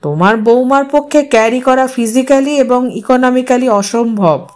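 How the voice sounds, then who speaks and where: Voicing a young city husband, a woman lowers her voice as he explains himself to his mother on the phone, patient but defensive. The pace is normal and the mood insistent.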